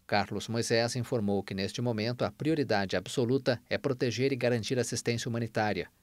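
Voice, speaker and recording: A Brazilian man narrates a news report in a mid-pitched voice. The scripted voice-over is recorded very dry and close. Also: dry recording.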